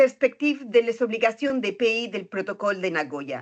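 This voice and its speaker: Over a quiet background, a woman talks at a fairly high pitch with ordinary pitch variation. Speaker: staff member of an international secretariat. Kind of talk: webinar presentation. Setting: online webinar. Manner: halting, many hesitations.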